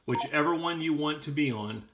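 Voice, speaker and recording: A man's voice: fairly high pitch, moderate pace, very noisy. A man explaining things step by step in a plain-spoken, casual how-to style. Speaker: how-to video host.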